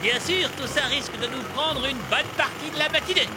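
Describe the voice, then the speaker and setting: A woman voicing a brisk, confident young mechanic boss in a cartoon dub, energetic, cheerful and commanding. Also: sits high, close to an everyday voice. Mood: confident, breezy. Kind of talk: French cartoon dubbing. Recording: loud music and busy outdoor clamour behind.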